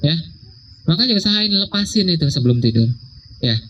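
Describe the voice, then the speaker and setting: Higher-voiced religious speaker, lo-fi. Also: male voice, big pitch swings, a bit bright. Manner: conversational, drawn-out emphasis, frequent "ya". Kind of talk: casual religious talk to an audience. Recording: dull lo-fi sound with faint noise.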